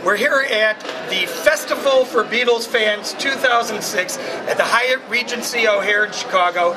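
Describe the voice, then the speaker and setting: A man's voice: high-pitched, normal speed, crowd noise. A man hosting a TV show and interviewing at a fan convention, chatty and upbeat, repeating answers back. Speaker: TV show host. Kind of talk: casual interview. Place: convention hotel event. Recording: noisy event ambience.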